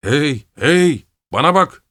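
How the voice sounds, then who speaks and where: A man's voice: fairly low pitch, animated, normal speed, a bit bright, no echo, studio quality. A man voicing a pompous middle-aged house steward in an audiobook, blustering and barking orders. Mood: shouting. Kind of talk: audiobook character voice.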